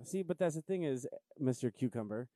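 A man's voice: mid-range voice, lively intonation, brisk, warm tone, dry recording, clean studio sound. A man co-hosting a podcast in casual banter, teasing his partner and laughing often. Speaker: podcast co-host.

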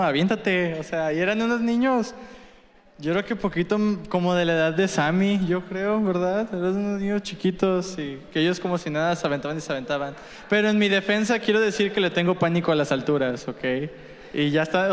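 A man speaks to a church audience with a slightly high voice. His delivery is soft, hesitant and self-deprecating. A long hall reverb trails each phrase. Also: brisk.

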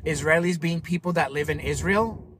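A man's voice: fairly high pitch, normal speed, a bit bright, slight background noise. A man born in Colombia and raised in America, hosting a solo Christian podcast, speaking earnestly with repeated emphatic phrases. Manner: earnest, repetitive preacherly emphasis. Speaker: podcast host.

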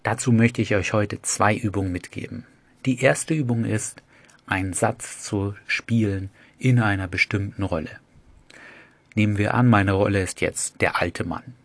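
A man with a very low voice teaches storytelling technique, calmly and deliberately. He is recorded close up, dry and clean. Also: no room sound. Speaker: storytelling coach. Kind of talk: spoken lesson.

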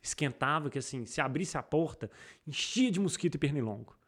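A man's voice: a little high, brisk, breathy edge. A man from Brazil with a Brazilian Portuguese accent, a guest in a casual interview, telling stories with many restarts. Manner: rambling, frequent restarts, animated retellings. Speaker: guest, entrepreneur.

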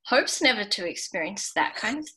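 Co-host, woman, bright crisp tone, warm backchannels. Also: medium pitch, sing-song, moderate pace, rough recording. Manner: encouraging, many short acknowledgments. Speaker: podcast co-host. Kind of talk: supportive interview.

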